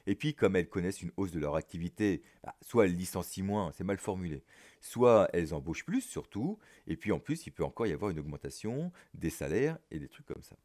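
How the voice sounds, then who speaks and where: A man teaching a recorded lesson over slides, explaining in a casual, chatty way full of fillers and quick asides. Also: low-pitched, very animated, darkish tone.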